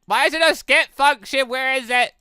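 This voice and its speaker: An excitable let's play host, commentating on a game and exclaiming while reading along. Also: high voice, normal speed, clear, resonant tone, no echo. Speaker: gaming video host reading a visual novel aloud. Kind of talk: let's play commentary with read-aloud character dialogue. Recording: close dry mic over game music. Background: game music.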